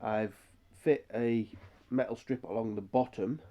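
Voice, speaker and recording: Croaky, under-the-weather man with a low voice. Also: fairly even intonation, a little slow, highs cut off. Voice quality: croaky, froggy voice from a cold. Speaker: DIY vlogger. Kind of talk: casual hands-on explanation.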